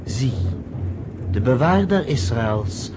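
A man's voice: medium pitch, big pitch swings, slow pace. An actor playing a devout Jewish man solemnly leading a Chanukah celebration in a radio drama. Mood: reverent. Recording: noisy old radio drama recording.

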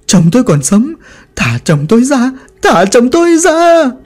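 A man's voice: very high-pitched, sing-song, measured pace, a little mellow, voice pushed up, exaggerated voice. A man voicing a frantic grieving widow who wails and shrieks in a horror story. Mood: hysterical wailing. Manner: shrieking, wailing, pleading.

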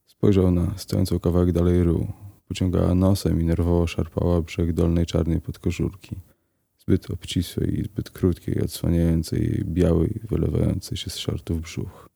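Guy narrating a crime story, calm even read, husky voice. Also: low voice, moderate pace. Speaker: audiobook narrator.

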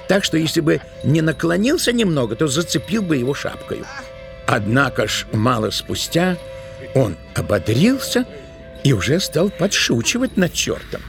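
A man narrating a literary tale as part of an audio drama, in an expressive, dramatic storytelling manner. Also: on the high side, creaky.

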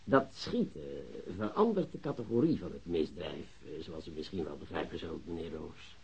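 An actor playing a sly police commissioner in a radio play, mock-courteous, hesitant and falsely polite. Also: male voice, sits low, very animated, normal speed, vocal fry, darkish tone, breathy edge, exaggerated voice. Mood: probing. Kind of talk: Dutch radio play acting. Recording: dull lo-fi radio drama recording.

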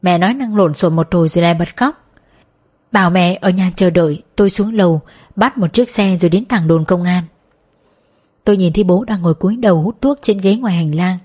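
A woman reading a story aloud in an even, measured narration. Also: fairly low pitch, breathy edge. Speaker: audiobook narrator.

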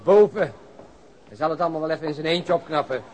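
A man's voice: on the high side, fast talker, darkish tone, slight background noise, lightly acted. An actor playing a cautious, wounded male police detective in a radio drama, with a wry, grumbling manner. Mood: weary, wry.

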